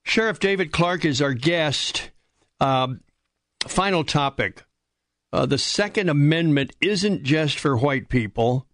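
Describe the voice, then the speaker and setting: A man's voice: a little high, expressive, slow pace, a bit bright, dry recording, clean studio sound. A man hosting a radio interview, asking brief, direct questions with short fillers. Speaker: radio host.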